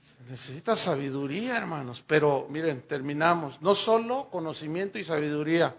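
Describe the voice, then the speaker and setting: A middle-aged man, preaching a sermon and telling lively stories while speaking directly to the congregation. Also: fairly high pitch, a little fast, gravelly. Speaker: pastor.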